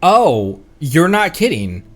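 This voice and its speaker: A streamer giving casual, excitable live commentary on a game, exclaiming and often repeating phrases. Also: mid-range voice, slow pace. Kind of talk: casual gameplay livestream commentary. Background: video game music.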